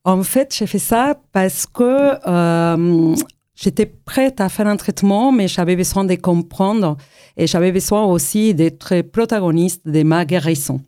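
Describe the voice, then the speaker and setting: A woman's voice: fairly low pitch, measured pace, mellow, no room sound. Give me a hesitant Argentine-accented woman, a Spanish native, sounding dry and close. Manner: hesitant, many fillers. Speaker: guest. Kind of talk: personal testimony interview.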